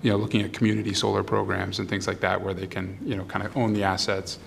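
A man's voice: low-pitched, flat delivery, fast, vocal fry, a little hiss or hum. A man speaking as a panelist at a policy discussion, filling his talk with "you know" and "um". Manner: filler-heavy, many "you know"s and "um"s.

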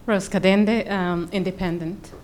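A woman's voice: medium pitch, fairly even intonation, unhurried, a little mellow, slight background noise. A woman from Burundi with a Burundian accent, making earnest, explanatory spontaneous remarks as an audience member at a public forum. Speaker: audience member asking a question.

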